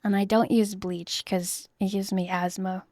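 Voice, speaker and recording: A woman in her thirties, chatting casually in a soft, rambling way while she draws on stream. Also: medium pitch, level tone, a little slow, no room sound, studio quality. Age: 30s. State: losing her voice. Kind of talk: casual chat while drawing.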